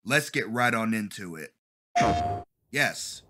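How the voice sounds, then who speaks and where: A man in his thirties giving casual, slangy, excited reaction commentary into a desk mic at home. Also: on the low side, slow, very noisy. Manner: enthusiastic, slangy, exclaiming. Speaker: host of a trailer reaction channel. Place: small bedroom at home. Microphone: desk condenser mic with pop filter.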